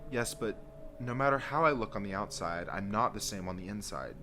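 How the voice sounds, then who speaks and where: Deep-voiced, earnest, haunted man played by an actor. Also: expressive, a little fast, noisy background, natural voice. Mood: earnest warning. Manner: earnest, pleading. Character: weary, secretive man changed by an otherworldly force, loving and urgent. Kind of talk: audio drama dialogue.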